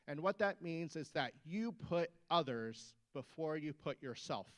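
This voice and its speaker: A man's voice: fairly high pitch, animated, unhurried, a bit bright. A man who is a physician giving an emphatic rally speech inside a state capitol building and urging the audience on. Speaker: physician speaker.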